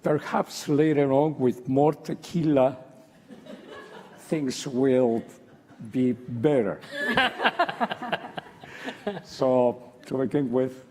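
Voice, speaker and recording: A man, telling stories on a panel in a slow, joking way and laughing often. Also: medium pitch, steady tone, warm tone. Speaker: panel speaker. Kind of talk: storytelling on a panel. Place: lecture hall. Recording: reverberant lecture hall.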